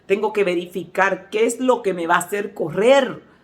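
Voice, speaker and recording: A woman's voice: mid-range voice, normal speed. A middle-aged woman preacher with a Dominican Spanish accent delivers a sermon. She tells vivid stories and slips into the voices of the people in them. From Dominican Republic. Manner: storytelling preacher, acts out voices in anecdotes. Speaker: pastor.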